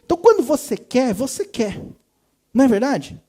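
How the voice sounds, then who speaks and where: A man's voice: very high voice, very animated, moderate pace, warm tone, slight background noise. A man preaching a sermon as a pastor. He talks in a conversational way and acts out the voices he quotes. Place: church service.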